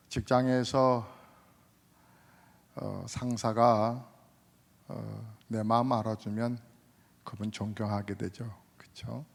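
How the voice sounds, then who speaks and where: A man's voice: on the low side, gravelly. Korean male pastor preaching in an echoing church. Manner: conversational preaching with frequent "어" fillers, acting out quoted people. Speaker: senior pastor. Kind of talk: sermon. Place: church sanctuary. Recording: long church reverb.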